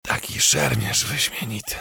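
A man's voice: on the low side, unhurried, vocal fry, sharp tone, breathy edge, dry recording, clean studio sound, voice pushed up, heavily acted. A man voicing a dying young prince who speaks in weak, broken, whispery phrases, breathless and bleeding. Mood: faint, fading. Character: dying young male prince, gentle and faint.

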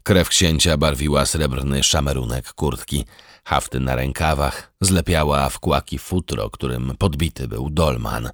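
A man narrating a historical novel as an audiobook, in a measured, steady, dramatic storytelling manner. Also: rumbling low, no echo, studio quality.

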